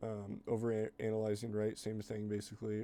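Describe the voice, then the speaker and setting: Dark and mellow in tone, a man's voice sits at a fairly low pitch. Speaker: day trader. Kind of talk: casual trading vlog monologue. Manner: slow, hesitant with many fillers.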